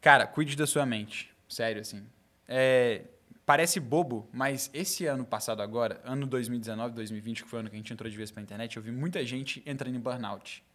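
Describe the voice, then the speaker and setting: A man, a videomaker guest, telling animated stories in a casual podcast chat and swearing casually. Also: medium pitch, brisk.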